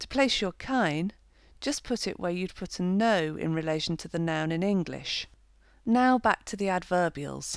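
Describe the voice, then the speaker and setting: A woman speaks in a normal speaking voice at a fairly low pitch with lively intonation. Her pace is moderate, in a very clean recording with a silent background. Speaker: language teacher podcaster. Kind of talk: tutorial. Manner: scripted, clear delivery.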